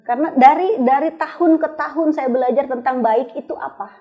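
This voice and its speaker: A woman's voice: high voice, fairly quick, muffled recording, soft background music. A woman guest telling her life story in a thoughtful, searching way with small restarts. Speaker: interview guest. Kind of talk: reflective conversational storytelling.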